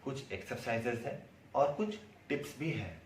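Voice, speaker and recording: An acting instructor with an Indian accent gives an instructional lecture, explaining by posing questions and answering them himself. His mid-range voice has lively intonation and normal speed, recorded on a distant mic with roomy echo and faint noise.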